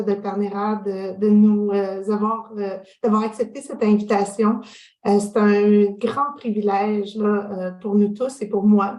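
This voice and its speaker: A woman's voice: medium pitch, a little mellow, reverberant. A woman with a Quebec French accent interviewing a guest on a video call, earnest and full of fillers. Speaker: interviewer, public health director.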